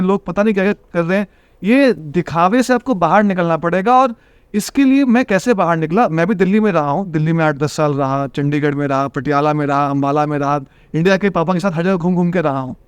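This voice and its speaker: High, smooth-voiced earnest man from Bihar. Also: no echo. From Bihar, India. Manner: earnest, advice-giving, calls the host brother. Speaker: trader and IIT coaching teacher, podcast guest. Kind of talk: casual interview talk.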